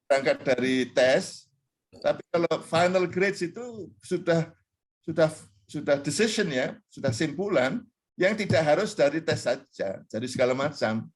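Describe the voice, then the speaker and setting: A middle-aged university lecturer, appearing as an interview guest, explains terms during a discussion. His voice is on the high side with lively intonation and a moderate pace, and he often repeats phrases and slips in English words.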